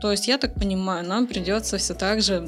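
A woman's voice: medium pitch, fairly quick. A woman answering interview questions as a guest, an esports community manager. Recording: music under the talk. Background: music.

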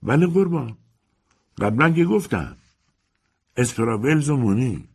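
A man voicing a shrewd, matter-of-fact middle-aged landlady in an audiobook story, speaking in a brisk, businesslike way. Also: medium pitch, animated, gravelly, a little mellow, husky, pitched above the performer's own voice.

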